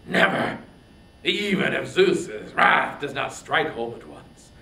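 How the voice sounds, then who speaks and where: A man's voice: big pitch swings, slow, heavily acted. A man voicing an anguished, wrathful warrior king in a declamatory, impassioned reading of epic poetry. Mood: outraged. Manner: impassioned, declamatory, swinging from shouts to breathy whispers. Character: anguished, wrathful warrior king grieving over wounded brother. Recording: roomy, echoing, faint background rumble.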